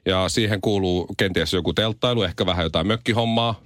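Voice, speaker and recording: A man hosting a radio morning show, bantering and spinning comic schemes in an animated way in the studio. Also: sits low, no echo. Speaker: radio host.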